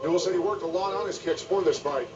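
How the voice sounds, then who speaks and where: A man's voice: high voice, fast talker, very noisy. A man giving colour commentary on a fight, explaining technique in plain, analytical terms. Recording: dull broadcast sound, loud music behind.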